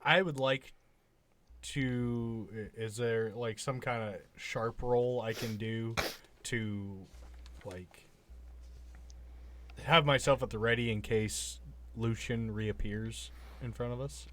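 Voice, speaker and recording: A man with a mid-pitched voice talks casually at a game table, with faint noise behind him. He feels his way through sentences, thinking aloud as a player. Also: steady tone, takes it slowly, long pauses, a bit bright. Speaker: player in a tabletop roleplaying podcast.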